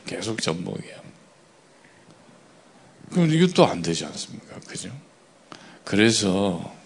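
A pastor with a deep, slightly rough voice and some vocal fry preaches a sermon. He often asks the congregation to agree with him and swings between loud, emphatic bursts and quiet asides.

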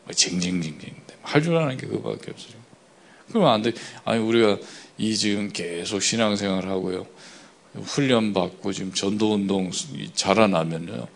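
A man preaching a sermon, often asking the congregation for agreement and swinging between loud emphatic bursts and quiet asides. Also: lowish voice, gravelly. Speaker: pastor.

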